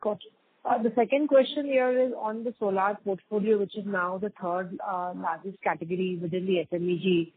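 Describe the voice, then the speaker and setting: A woman's voice: mid-range voice, steady tone, fairly quick, breathy edge, dry recording. A woman, a financial analyst asking questions on an earnings call. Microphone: phone call. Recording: tinny, dry phone line.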